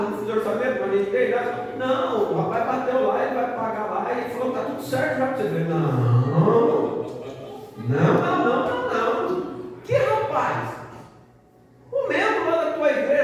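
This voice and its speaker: A Brazilian man preaching a storytelling sermon as pastor, animated and acting out the dialogue of his story. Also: very high voice. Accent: Brazilian Portuguese. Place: large church hall. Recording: echoey church hall from far off, music behind.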